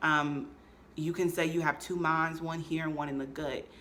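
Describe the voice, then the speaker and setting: Her pitch sits fairly low. The woman keeps a fairly even intonation. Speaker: holistic lifestyle coach. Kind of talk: casual talk to camera.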